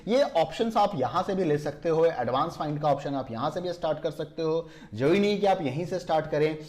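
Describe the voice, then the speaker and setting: A man, his voice sitting a little high, walks through a screen-recorded software lesson. He slows down deliberately when defining terms. He keeps asking viewers whether they can see what he means. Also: expressive. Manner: explains step by step, asks viewers rhetorical checks. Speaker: computer tutorial teacher.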